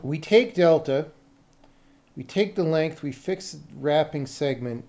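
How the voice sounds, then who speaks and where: Slow-talking man thinking aloud while coding. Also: fairly high pitch, lively intonation, warm tone. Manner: muttering in short fragments, casual swearing. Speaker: livestreaming game programmer. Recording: faint noise with keyboard typing. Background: computer keyboard typing.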